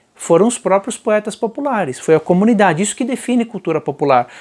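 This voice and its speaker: A man speaks with lively intonation. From Brazil, São Paulo city. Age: 40s. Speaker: writer and speaker on folk poetry. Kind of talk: educational talk. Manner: conversational, explanatory.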